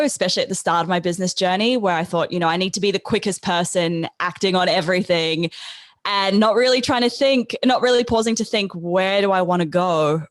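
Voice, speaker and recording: A woman's voice: fairly low pitch, no echo. Laughing woman with an Australian-sounding accent. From South Africa, raised in New Zealand. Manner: friendly, laughs easily. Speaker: podcast guest, course creator. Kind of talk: casual interview chat.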